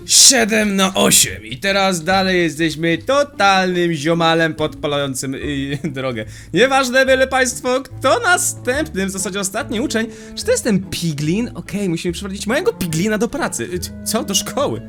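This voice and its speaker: An excitable young man narrating a game, slangy and quick to laugh, his voice leaping high and dropping low. Game music plays clearly behind him. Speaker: gaming youtuber. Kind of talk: Minecraft let's play commentary.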